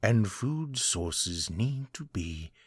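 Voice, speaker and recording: An actor playing a cruel, centuries-old vampire lord who taunts his captive, speaking in a husky, condescending way. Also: on the low side, very animated, no room sound, clean studio sound, full character voice. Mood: contemptuous. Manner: taunting, condescending, slow and deliberate. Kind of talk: audio drama, one-sided dialogue.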